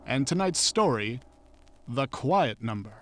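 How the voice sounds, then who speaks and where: A man's voice: medium pitch, big pitch swings, a little slow, a bit bright, a little hiss or hum. A man reading a scripted announcement in the formal, polished style of a 1940s radio announcer.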